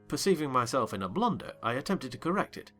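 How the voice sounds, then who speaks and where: Bright, expressive male audiobook narrator. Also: medium pitch, fast, faint music behind. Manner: expressive, wry. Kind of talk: dramatized audiobook reading.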